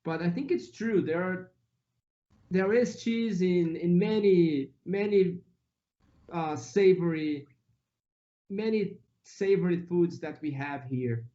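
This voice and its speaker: Brazilian-accented male guest, unhurried delivery, slightly raised pitch, dull lo-fi sound. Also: warm tone. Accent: Brazilian Portuguese. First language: Portuguese. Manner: easygoing, listing foods with Portuguese words. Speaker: guest, English teacher. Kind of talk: casual interview chat.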